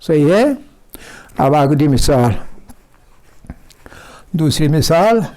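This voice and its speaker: A man teaching a class on Quran recitation, patiently repeating example words slowly and checking that students follow. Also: a little high, expressive, darkish tone. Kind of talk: classroom lesson.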